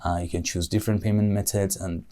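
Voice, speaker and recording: A young man whose first language is Persian, answering speaking-test questions in English with a Persian accent, pausing often on "uh" and correcting himself as he goes. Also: low voice, level tone, warm tone. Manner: thoughtful, with frequent "uh" and self-corrections. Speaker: IELTS speaking test candidate. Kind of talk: exam-style spoken answers.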